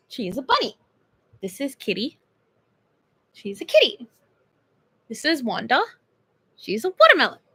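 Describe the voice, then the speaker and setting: An Australian woman, a singer chatting casually on a livestream from her bedroom, bubbly and animated as she reads fan texts. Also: fairly high pitch, husky.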